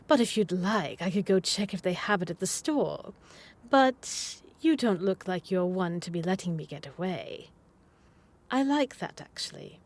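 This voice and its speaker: A woman's voice: mid-range voice, a little mellow. A woman playing a playful, obsessive, needy supervillain who is smitten with the hero, in a scripted roleplay spoken to the listener with coy, dramatic emphasis. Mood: flirty, admiring.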